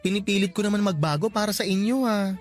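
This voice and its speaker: A man's voice: high-pitched, fast talker, close to an everyday voice. An actor playing a flamboyant, exasperated gay young father in a radio drama, sassy and theatrical, with music underneath. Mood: exasperated, defensive. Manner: campy, theatrical, bantering.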